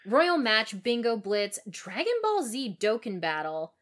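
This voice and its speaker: A woman co-hosting a podcast, giving the news in casual chat with quick, chatty asides. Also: fairly high pitch, very animated. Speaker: podcast co-host.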